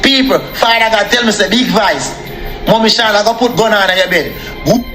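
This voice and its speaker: Over music, a young Jamaican-accented man speaks at a moderate pace in a high-pitched voice with a roomy sound. It's an angry, repetitive live-stream rant in which he keeps calling out to the people watching.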